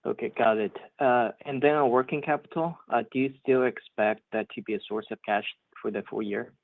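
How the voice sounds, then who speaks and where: A man's voice: mid-range voice, a little fast, gravelly, no echo. A man calling in as a financial analyst, asking brief questions in a casual, matter-of-fact way. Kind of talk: brief earnings call questions. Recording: narrowband phone line.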